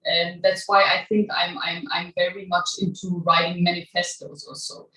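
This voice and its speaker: A woman's voice: lowish voice, level tone, bright, forceful tone. German-accented woman, distant and echoey. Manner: halting, many restarts, laughs as she talks. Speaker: guest writer giving a reading. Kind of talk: informal introduction at a public reading. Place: small venue before a live audience. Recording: echoey room, voice from far off.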